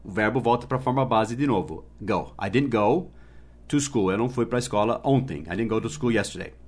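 A fairly low, somewhat mellow male voice leads a laid-back podcast lesson as an English teacher. Patient in his explanations, he spells out words letter by letter, eases his pace when modeling English phrases, and adds tag questions.

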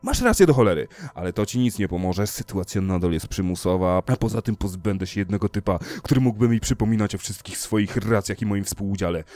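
A man voicing an angry, grim male spaceship crewman who shouts accusations, in an audiobook reading. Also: on the low side, brisk, few pauses, no echo, lightly acted. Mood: furious. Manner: shouting insults, then cold and quiet.

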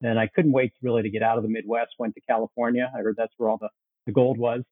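A man in his sixties who grew up in Chicago, answering interview questions with steady, orderly storytelling. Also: medium pitch, fast, no echo. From Chicago, USA. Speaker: guest cofounder. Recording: tinny phone-like line, dry.

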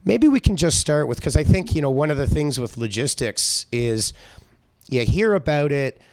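A man hosting a business podcast in a casual, upbeat interview style, his voice slightly hoarse. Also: a little high, lively intonation, normal speed, darkish tone, no room sound. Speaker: podcast host.

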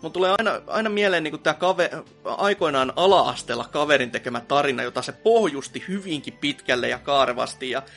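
A man's voice: on the high side, expressive, hardly any pauses, fairly bright tone, soft background music. A man co-hosting a podcast, ranting and sarcastic, swearing and laughing in casual chat. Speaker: podcast co-host.

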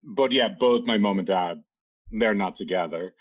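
A man's voice: on the low side, normal speed, highs cut off. A man with a Dublin Irish accent, a relationship expert guest talking in a thoughtful, wry, self-deprecating way in a podcast interview. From Dublin, Ireland.

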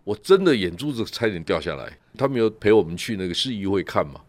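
A man's voice: on the low side, lively intonation, fast, no echo. A man from Taiwan, chatting as a radio guest and telling travel stories full of rhetorical questions. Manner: storytelling, peppers talk with rhetorical "right?" and "ha". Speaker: guest commentator. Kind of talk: casual radio chat.

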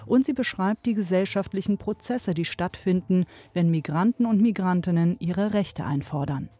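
A man reading a scripted radio introduction in an even, formal way. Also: sits high, normal speed, dry recording. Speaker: radio presenter introducing a book.

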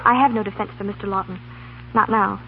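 A woman's voice: mid-range voice, fairly even intonation, fast, lightly acted. Proud, dutiful young woman played by an actress, composed and clipped, tinny noisy 1930s radio romance. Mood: concerned.

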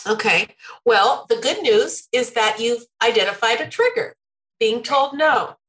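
A woman giving parenting advice in a relaxed conversation, laughing often and slipping into a sing-song tone when acting out what parents can say. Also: fairly high pitch, a little slow, rough recording. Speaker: parenting expert guest.

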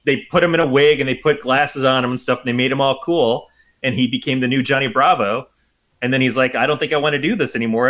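A man with a bright, sharp voice trades crude jokes and teasing banter on a casual podcast. His middle-pitched delivery stays playful. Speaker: podcast co-host. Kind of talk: casual chat.

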